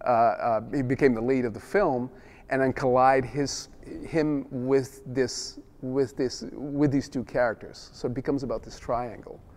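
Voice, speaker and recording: A middle-aged Dutch film director from the Netherlands, whose first language is Dutch, answers interview questions casually in a mid-range, darkish voice. He speaks unhurriedly with fairly even intonation, rambling through many restarts and fillers.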